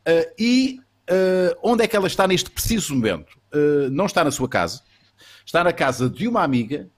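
A man's voice: a little high, big pitch swings, moderate pace. Teasing European Portuguese male host. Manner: playful, teasing, with many fillers. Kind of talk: live online chat show.

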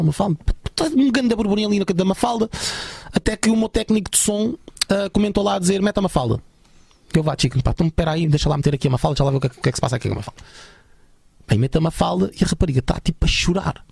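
Fast-talking gravelly young Portuguese man. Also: a little high, a little mellow, no room sound, clean studio sound. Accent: European Portuguese. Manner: chatty, many fillers, slangy. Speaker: guest musician. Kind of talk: casual storytelling.

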